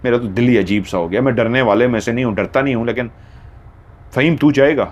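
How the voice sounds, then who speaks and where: A man voicing a sharp-tongued young man who bluntly scolds his friend. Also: mid-range voice, fast talker, dull audio, close to an everyday voice. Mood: irritated.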